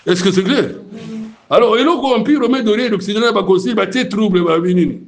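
Un homme à l'congolais qui prêche un sermon et demande souvent à l'assemblée si c'est clair. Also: male voice, high voice, fast. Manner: preaching in Lingala mixed with French, asking the crowd if it is clear. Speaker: preacher.

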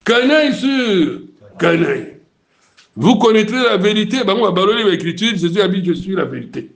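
Un homme à l'congolais qui prêche un sermon et demande souvent à l'assemblée si c'est clair. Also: male voice, sits high, very animated, moderate pace. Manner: preaching in Lingala mixed with French, asking the crowd if it is clear. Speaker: preacher.

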